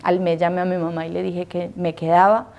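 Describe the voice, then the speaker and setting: A woman's voice: fairly low pitch, little pitch movement, a little fast, gravelly, a little mellow. A woman in her thirties from Colombia, a nun telling her personal vocation testimony with earnest emotion, acting out her own past words.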